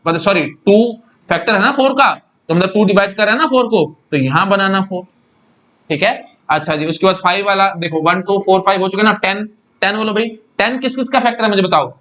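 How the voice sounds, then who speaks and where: A man from India teaching a maths lecture at a fast clip, his voice sitting high. He speaks Hindi on the technical terms, keeps asking his students whether they follow, and answers his own questions. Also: fairly bright tone. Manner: repetitive, keeps asking "samajh pa rahe ho?" and "kyon?"; mixes English terms into Hindi speech. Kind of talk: lecture on discrete maths for an exam.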